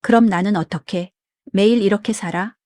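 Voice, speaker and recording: A woman's voice: medium pitch, moderate pace, warm tone, dry recording, clean studio sound, close to an everyday voice. A woman voicing an exhausted young wife who pleads and complains about her caregiving load, in a story read aloud. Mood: upset.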